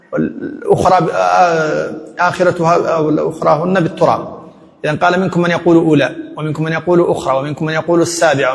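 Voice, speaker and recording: Guy teaching islamic law, talks fast, slightly high voice, big hall echo. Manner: quick, explanatory, often quoting scholars. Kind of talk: explaining a text in a lesson.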